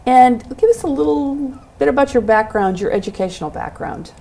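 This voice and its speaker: A woman's voice: a little high, expressive, a little fast, mellow. A woman hosting a local access television show, introducing guests and asking them encouraging questions. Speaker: host.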